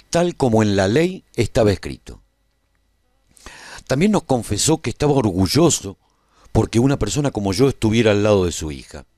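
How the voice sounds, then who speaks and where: A man playing an earnest, reflective narrator of a radio serial, telling his own story of life at a royal court in a measured, solemn, dramatic delivery. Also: fairly low pitch, a little mellow, no room sound, studio quality. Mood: grave, dramatic.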